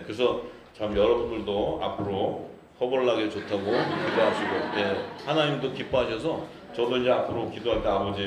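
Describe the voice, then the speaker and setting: A man's voice: lowish voice, very noisy. A man from Busan, preaching a sermon as pastor in a jovial, laughing manner and reading scripture. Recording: echoey church hall with congregation. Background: congregation answering amen.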